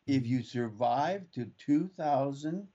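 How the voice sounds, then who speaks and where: A man's voice: medium pitch, expressive, slow pace, mellow, muffled recording. A man co-hosting a radio talk show from a remote location, rambling with frequent restarts and fillers. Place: remote studio in Kamloops.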